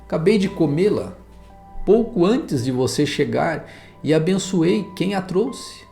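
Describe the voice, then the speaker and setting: A grave old patriarch speaks in a slow, solemn and measured way , read by a Brazilian pastor. His voice is gravelly and mellow, with a Brazilian accent. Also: a little high, lively intonation, faint music behind, voice pushed up. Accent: Brazilian Portuguese.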